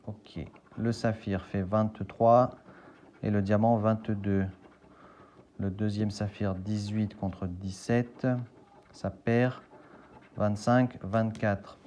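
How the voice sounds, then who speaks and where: A man's voice: fairly low pitch, warm tone, a little hiss or hum. A man casually thinking aloud and spelling out letters as he scratches lottery tickets for a video.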